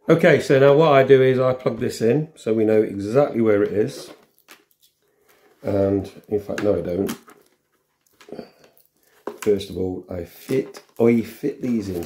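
A middle-aged man giving a casual hands-on tutorial, halting and thinking aloud as he works in a room at home. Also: mid-range voice, mellow, slight background noise. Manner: halting, unscripted, thinking aloud while working. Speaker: vlogger demonstrating a helmet intercom fitting.

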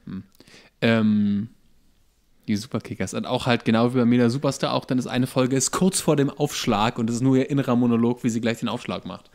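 A man co-hosting a podcast, making dry, deadpan quips in casual chat. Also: mid-range voice, a little fast. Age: 40s. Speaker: podcast co-host.

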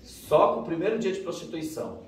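A man's voice: fairly high pitch, very animated, a little fast. A man with a Brazilian Portuguese accent giving a dramatic testimony sermon as a preacher. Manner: dramatic storytelling, acting out dialogue in raised voices. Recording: roomy, distant mic.

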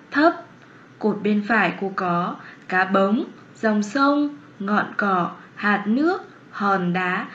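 A woman playing a kind, encouraging young primary school teacher in a children's cartoon lesson, with measured delivery. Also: medium pitch, a bit bright, dull audio, a little hiss or hum.

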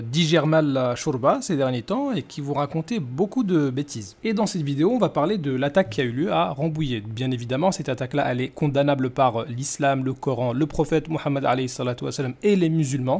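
A man's voice: mid-range voice, animated, quick pace, hardly any pauses, a little mellow. A man in his thirties giving a conversational rebuttal as a video host, with mocking, rhetorical questioning. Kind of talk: conversational rebuttal commentary to camera.

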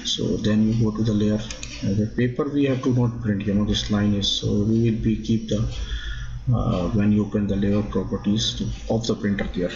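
Halting man with a lo-fi mic. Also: on the low side, fairly even intonation, darkish tone. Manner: halting, repeats "okay" often, non-native phrasing. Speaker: drafting instructor. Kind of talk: screen-recorded software tutorial. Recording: dull lo-fi sound.

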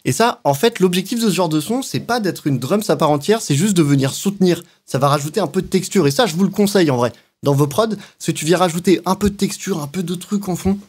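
A man giving a relaxed, slangy walkthrough of how he built a beat, now and then mouthing sounds and rhythms. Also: high voice, fast talker, husky. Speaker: music producer. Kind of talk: casual beatmaking walkthrough. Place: home studio.

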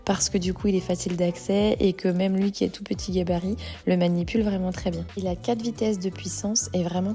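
In casual vlog narration, a woman in her thirties walks through her house chores step by step, chatting and motivating herself along the way. Her voice is fairly low and dark with vocal fry; the large modern interior sounds echoey, with faint music behind her.

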